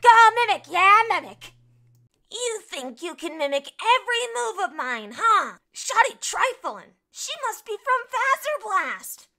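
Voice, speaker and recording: Brief: woman plays cocky, frantic game kid, a boy, extremely high and bright, shouting slang. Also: very animated, measured pace, heavily acted. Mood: frantic, excited. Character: hyperactive, cocky young boy from horror game. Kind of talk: character voice acting demo.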